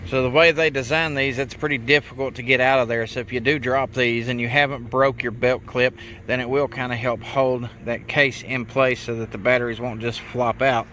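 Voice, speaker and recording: A man's voice: medium pitch, steady tone, moderate pace, hardly any pauses, pushed and bright, slight background noise. A man giving a casual hands-on gadget review in a folksy, plainspoken way with colloquial grammar. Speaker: product reviewer, mechanic.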